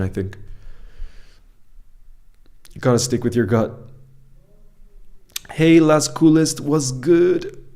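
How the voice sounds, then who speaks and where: Guy doing a casual football livestream, lowish voice, shouts out chat names and repeats himself. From mixed French and Icelandic background. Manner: chatty, greets viewers by name, repeats himself. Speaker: football live streamer. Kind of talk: casual live-stream chat reading viewer comments.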